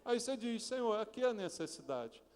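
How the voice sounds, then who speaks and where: A male pastor from Brazil preaching a sermon, asking the congregation questions and acting out prayers in a hushed, pleading voice. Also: very high-pitched, big pitch swings, fairly quick, smooth. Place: church sanctuary. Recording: reverberant church hall.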